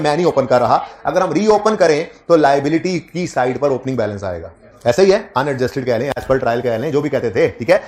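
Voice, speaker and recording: A man's voice: mid-range voice, a little mellow. Teasing man lecturing a class. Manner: conversational, teasing students, repeats key points. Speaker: accounting lecturer.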